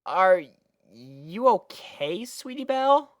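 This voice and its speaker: A woman's voice: medium pitch, sing-song, slow, voice pushed up. A woman voicing a casual, mildly bewildered young boy dragon in a storybook reading. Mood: taken aback. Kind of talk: storybook character voice in a fan fiction reading.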